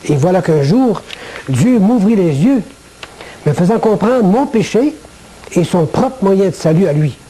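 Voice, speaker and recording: A man from gives a religious testimony in a measured, formal way, like a prepared monologue. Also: sits high, animated, warm tone, a little hiss or hum, rough recording. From Quebec, Canada. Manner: measured, formal, literary phrasing.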